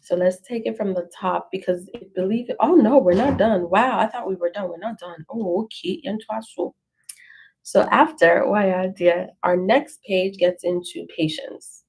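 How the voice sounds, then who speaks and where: A woman teaching a language lesson, reading through an ebook page by page and slowly repeating phrases to encourage learners. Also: medium pitch, a little mellow, husky, poor audio.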